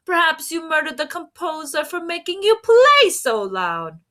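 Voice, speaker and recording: A woman's voice: very high-pitched, wildly swooping pitch, measured pace, a bit bright, voice pushed up, heavily acted. A woman voicing an accusing, vain male police inspector from a storybook, with emphatic, dramatic questioning. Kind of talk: storybook character voice.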